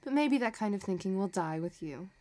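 A woman playing a possessive, sadistic villainess who dotes obsessively, condescending and softly menacing, in an intimate audio roleplay. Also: mid-range voice, animated, fairly quick, lightly acted. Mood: cold, mocking.

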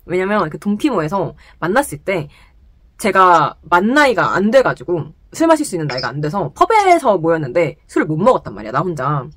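A young woman telling a personal story to the camera in casual chat, animated and laughing often, in a small indoor room. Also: lowish voice, fairly quick, dry recording, studio quality. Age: young adult. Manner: animated, laughs often, gestures while talking. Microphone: camera close in front, sitting.

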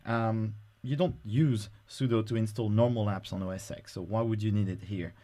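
Low, warm-voiced man explaining. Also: steady tone, moderate pace. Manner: casual, explanatory, frequent "uh" fillers. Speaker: software tutorial presenter. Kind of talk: screen-recorded software tutorial.

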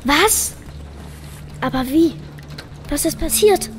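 A woman's voice: sits high, lively intonation, slow pace. A woman playing an anxious, obedient young boy in an audio drama, timid and questioning. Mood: alarmed, confused.

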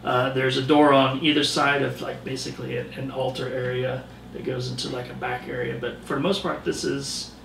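A man's voice: medium pitch, flat delivery, fairly quick, vocal fry, background noise. A man narrating a tabletop game as game master, describing scenes loosely with lots of fillers, in a roomy, distant recording.

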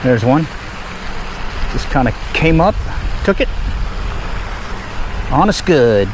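A man giving relaxed, chatty running commentary while fly fishing at a park pond, recorded on a head-mounted action camera. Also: medium pitch, slow pace. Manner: relaxed, chatty, pleased exclamations at each catch. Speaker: fishing vlogger. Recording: outdoor action-camera audio with background noise.

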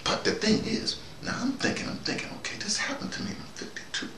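An American man in his early sixties giving a rambling, informal monologue, halting and digressive, often repeating himself. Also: sharp tone. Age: early 60s. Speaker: vlogger. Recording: roomy, noisy, distant microphone.

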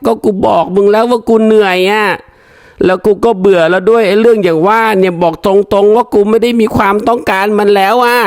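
Guy doing a tired naggy village wife, higher voice, coarse and fed up. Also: clean tone. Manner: coarse, nagging and exasperated. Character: weary scolding rural wife, middle-aged woman.

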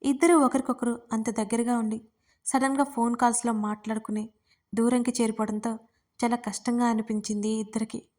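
A woman storyteller narrating a romance serial in a calm, steady audiobook reading. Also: on the high side, a little fast.

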